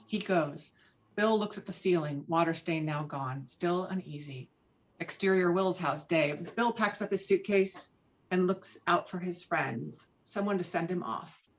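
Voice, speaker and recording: Dull-sounding, lowish-voiced woman narrating a screenplay. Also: measured pace. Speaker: stage-direction narrator. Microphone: video call. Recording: dull, lo-fi online call audio.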